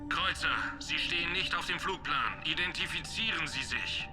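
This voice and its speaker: An actor playing a curt station flight controller, heard faintly over a ship communicator in clipped official phrases. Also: male voice, a little high, moderate pace, over music. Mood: formal. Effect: heard over a ship communicator from afar.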